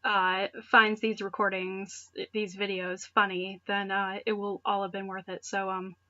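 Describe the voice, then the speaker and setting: A woman's voice: mid-range voice, flat delivery, a little slow, pushed and bright, highs cut off. A woman reading fan fiction aloud in a mocking dramatic style, breaking off for casual, sarcastic asides. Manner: sarcastic, conversational, breaks off to comment. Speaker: reader of amateur fan fiction for videos.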